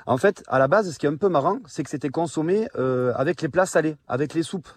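A man's voice: on the high side, lively intonation, quick pace, a little mellow, no echo. A man with a Toulouse accent, a chef on a radio show, walking through a recipe with enthusiasm. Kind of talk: radio cooking segment chat.

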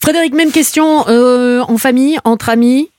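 A woman's voice: high voice, moderate pace, darkish tone. A woman hosting a radio quiz game, playful and teasing, laughing often between questions. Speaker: radio game show host.

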